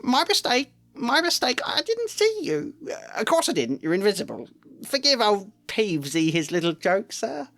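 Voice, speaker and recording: A man voicing a mischievous male poltergeist in a high, wheedling, greasy voice. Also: huge pitch swings, moderate pace, creaky, a bit bright, dry recording, exaggerated voice.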